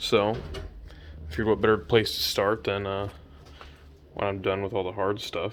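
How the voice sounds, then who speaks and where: A man speaks at a moderate pace with fairly even intonation. There is noticeable background noise. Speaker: hobbyist off-road vehicle fabricator. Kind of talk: casual talk to camera. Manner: monotone.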